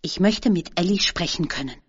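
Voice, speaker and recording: A woman's voice: on the low side, expressive, normal speed, husky, dull audio. A woman voicing a cheerful young boy skateboarder who talks eagerly and uses youth slang, in a storybook reading.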